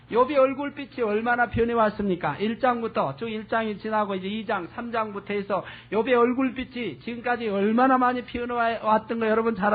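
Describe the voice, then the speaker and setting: Male pastor, very high voice, earnest sermon delivery, thin phone-like recording. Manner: earnest preaching, rhetorical questions to the congregation. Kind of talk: expository sermon. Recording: tinny phone-like lo-fi audio.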